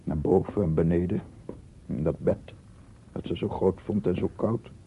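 An actor playing a brooding, solitary man musing to himself in a halting radio play monologue. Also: low-pitched, vocal fry, slight background noise. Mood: weary, musing. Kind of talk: Dutch radio play acting. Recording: muffled lo-fi old radio recording.

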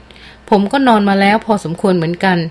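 Veteran male hunter, calm and firm, kindly, read by a woman. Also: medium pitch, moderate pace, natural voice. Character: seasoned male big-game hunter, calm, protective.

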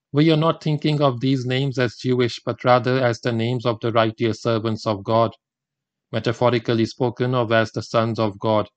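Older Gujarati-speaking man giving a measured lecture. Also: medium pitch, no echo. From India. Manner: measured, deliberate delivery with Quranic recitation. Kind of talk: formal religious lecture.

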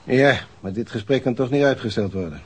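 An actor as a husky, businesslike police chief. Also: male voice, mid-range voice, a little fast, close to an everyday voice. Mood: businesslike, concerned. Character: male police superior, businesslike, courteous but insistent. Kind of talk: naturalistic radio drama dialogue.

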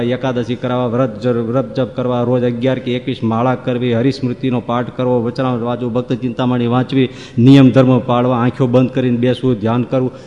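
Man, devotional preacher, folksy rhythmic lists, mid pitch, long hall reverb. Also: a little mellow, lo-fi sound. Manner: folksy, rhythmic listing, rising exclamations. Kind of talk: devotional discourse.

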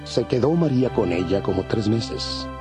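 A man narrating scripture from a script in measured storytelling. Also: on the low side, expressive. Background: faint music.

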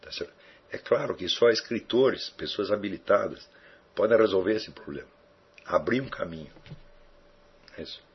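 Male lecturer, low raspy voice, reflective and digressive, muffled recording. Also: expressive, normal speed, long pauses. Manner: rambling, reflective, with frequent tag questions. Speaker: philosophy teacher. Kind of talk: lecture answering student questions. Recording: dull lo-fi recording.

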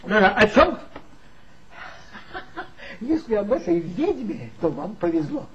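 A tipsy, sly former magazine man confides mocking gossip with a lively, wandering pitch. It is a 1960s stage radio play, heard through a dull, muffled old recording with faint hiss. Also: takes it slowly, exaggerated voice. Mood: gossipy.

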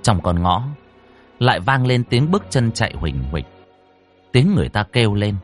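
A man narrating a horror story in an expressive, dramatic reading. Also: fairly low pitch, moderate pace, faint music behind.

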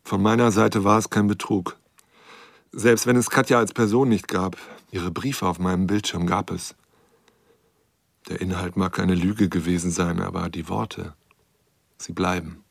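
A lonely, devoted astronomer in a radio play. His very low voice is husky and gravelly, grave and confessional, recorded close and dry. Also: no room sound, heavily acted. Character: lonely lovesick male astronomer, resigned and devoted. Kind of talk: radio drama monologue.

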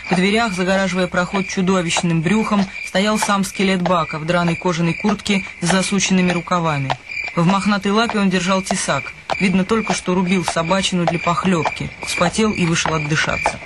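An actor delivering dramatic scripted narration as the storyteller of a radio play. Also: male voice, sits high, background noise, close to an everyday voice.

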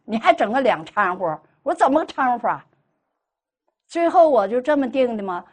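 A woman's voice: fairly high pitch, moderate pace. A middle-aged woman tells a personal testimony as a Buddhist lay speaker, acting out the dialogue she quotes. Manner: animated, acts out quoted dialogue.

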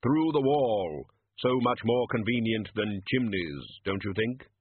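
Guy doing death, slow calm and dry, husky, tinny phone-ish sound. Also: on the low side, no room sound. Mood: calm polite. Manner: slow, measured, dryly courteous. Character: Death, a slow, calm, solemn male skeletal figure.

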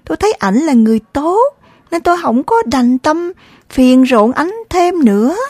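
An actress with a Southern Vietnamese accent playing a composed young woman, speaking in a soft, measured way in an audio drama. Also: high voice, very animated, no room sound, clean studio sound. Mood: calm. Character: calm, composed young woman, quietly defiant.

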